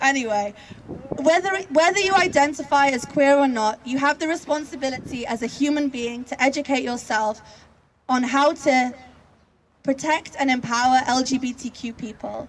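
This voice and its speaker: The speaker has a British accent and ordinary pitch variation. The pace is moderate. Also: woman, high pitch for a woman. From UK. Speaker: activist speaker, artist and fashion designer. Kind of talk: protest speech. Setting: outdoor protest rally. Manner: halting.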